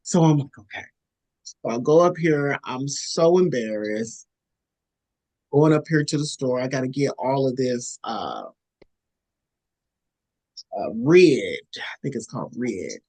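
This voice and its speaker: A woman co-hosting a podcast, telling a story casually and acting out quoted lines in a high squeaky voice. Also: lively intonation, unhurried, pauses often, warm tone, slightly rough. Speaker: podcast co-host.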